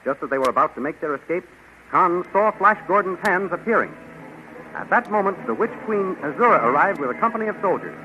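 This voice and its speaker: A man announcing and narrating a 1930s radio adventure serial in a crisp, declamatory manner. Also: high-pitched, lively intonation, fairly quick, noisy background. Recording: muffled old 1930s radio recording.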